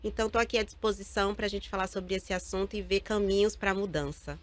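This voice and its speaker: A woman's voice: mid-range voice, steady tone, quick pace. A Brazilian woman from Bahia talking as a guest in an interview. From Salvador, Bahia, Brazil. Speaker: guest, lawyer and activist. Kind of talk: personal interview talk.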